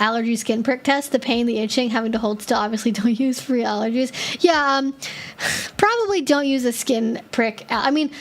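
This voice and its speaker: A woman hosting a casual live-stream Q&A, answering viewer questions in a chatty way, with lots of filler words as she thinks aloud. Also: on the high side.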